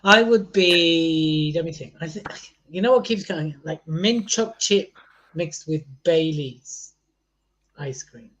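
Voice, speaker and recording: A man's voice: fairly high pitch, slow, fairly bright tone, poor audio. A man hosting a podcast, joking and teasing his co-host in a playful way. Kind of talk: casual podcast chat.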